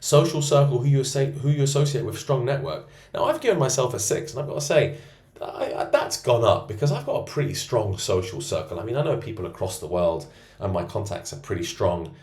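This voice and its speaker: In a co-working space with a roomy echo, a self-improvement coach for men rates himself out loud, bragging with total confidence. His mid-range voice is animated and fairly quick.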